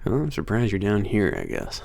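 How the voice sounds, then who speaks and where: A man's voice: on the low side, wildly swooping pitch, brisk, creaky, darkish tone, full character voice. A man playing a casual werewolf maintenance trainer with some attitude, teasing and a little hesitant, in an ASMR audio drama. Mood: casual, wry. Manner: hesitant, teasing, sighing and chuckling casual talk.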